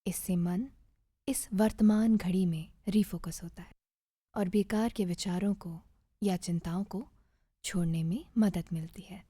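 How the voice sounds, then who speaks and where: Female meditation guide: soft, husky-breathy and mellow, soothing and unhurried delivery with gentle pauses. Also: fairly low pitch, fairly even intonation, dry recording, clean studio sound. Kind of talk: guided meditation, scripted narration.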